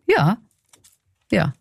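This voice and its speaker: A woman's voice: on the low side, vocal fry, slightly rough, no room sound. A woman in her forties with a Swiss German accent, a comedian and clown speaking reflectively and laughing often in an interview.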